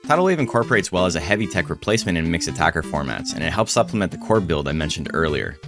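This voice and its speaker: A man narrating a scripted video essay in a blunt, casual way that includes free swearing, his voice hoarse, cracking and frying. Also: deep voice. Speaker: host of a game strategy channel.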